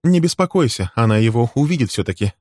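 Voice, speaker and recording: A man reading an audiobook, voicing a furious scorned woman who shouts her accusations. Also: mid-range voice, brisk, slightly rough, no room sound, clean studio sound, pitched above the performer's own voice, natural voice. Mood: sharp.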